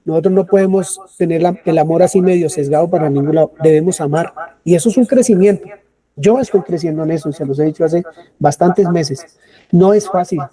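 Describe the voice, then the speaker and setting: Male preacher with a high, warm voice, teaching with questions. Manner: asks the congregation rhetorical questions, then answers them. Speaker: preacher leading a Bible study. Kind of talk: sermon.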